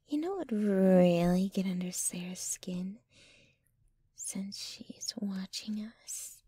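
Breathy, possessive yandere girlfriend, acted by a woman. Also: mid-range voice, mellow, no echo, heavily acted. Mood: teasing. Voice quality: breathy, whispery. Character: possessive, jealous young yandere girlfriend, dominant yet clingy. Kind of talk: intimate ASMR roleplay. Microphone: close microphone, dry.

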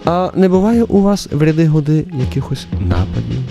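A man in a radio drama playing an elderly, kindly court interrogator who speaks with gentle, unctuous politeness. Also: fairly high pitch, sing-song, brisk, creaky, music in the background. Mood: sweetly solicitous.

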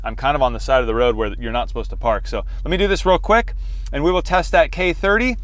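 A man's voice: medium pitch, quick pace, dry recording. A man in his forties hosting a casual product test, talking in a conversational way from inside a car. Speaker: host. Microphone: lapel mic.

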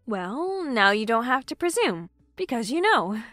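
A woman's voice: on the high side, sing-song, unhurried, a bit bright, no echo, studio quality, soft background music. An actress playing an anxious, earnest young woman in an audio drama. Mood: friendly.

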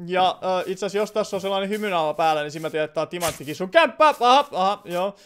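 High-voiced guy rambling through a live game stream, chatting to viewers. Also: expressive, a bit bright, slight background noise. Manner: rambling, chatty, reads viewer comments aloud; sudden startled outbursts. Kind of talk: live gameplay commentary.

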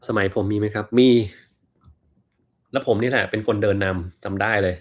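A man in his thirties, from Thailand, hosts a relaxed livestream and answers viewer questions one after another. His voice sits a little low. He talks in an easygoing, meandering way, thinking aloud with plenty of fillers. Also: normal speed. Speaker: doctor and livestream host. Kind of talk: casual livestream Q&A, reading viewer comments.

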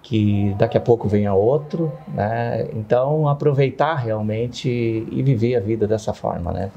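A man's voice: lowish voice, unhurried, gravelly, dark tone, dull audio. A man, sharing personal experience conversationally and often adding tag questions for agreement. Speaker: interview guest.

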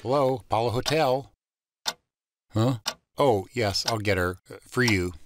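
A man's voice: mid-range voice, unhurried, lightly acted. An actor playing an easygoing, considerate male hotel manager in an audio drama, talking casually. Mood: casual, helpful. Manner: casual, conversational. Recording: very noisy background with clicks.

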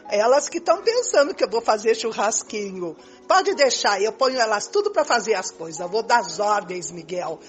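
A woman's voice: on the high side, close to an everyday voice. An older woman playing a possessive, wry lover in an amateur radio soap opera, coaxing as she talks.

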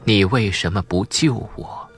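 A man's voice: fairly low pitch, unhurried, soft background music, natural voice. A man voicing a cold, reproachful dead woman from a nightmare in a suspense audiobook. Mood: cold, accusing.

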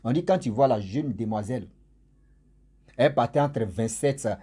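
Husky-voiced male storyteller. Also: mid-range voice, normal speed, warm tone. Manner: chatty, jokey asides to listeners. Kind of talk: casual oral storytelling.

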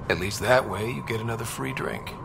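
A man playing a dry, teasing, steady young space adventurer in a video game, wry and deadpan. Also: medium pitch, brisk, gravelly, over music, natural voice. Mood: dry, pressing. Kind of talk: video game dialogue acting.

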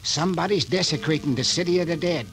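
An actor playing a stubborn, gruff country mayor in an old radio drama, speaking bluntly in plain rural talk. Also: male voice, fairly high pitch, fast talker, over music, close to an everyday voice. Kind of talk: 1940s radio acting. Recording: old radio recording with hiss.

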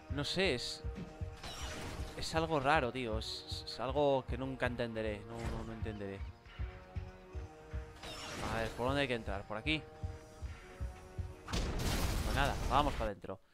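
A man with a Spain Spanish accent giving casual gameplay commentary, rambling with fillers and bursting into loud exclamations. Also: mid-range voice, normal speed, long pauses. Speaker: gaming channel host. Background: game music.

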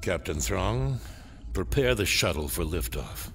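Brooding dark lord, low-pitched, sweeping intonation, seductive menace, theatrical, sci-fi audio drama. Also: male voice, sing-song, vocal fry, exaggerated voice. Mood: coolly commanding. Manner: slow, theatrical, ominous delivery.

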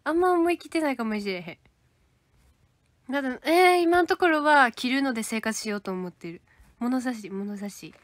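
A woman's voice: sits high, lively intonation, moderate pace, dry recording. A young woman with a Kansai accent, chatting casually and giggling as she reads fan comments on a livestream. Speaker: idol livestreaming to fans.

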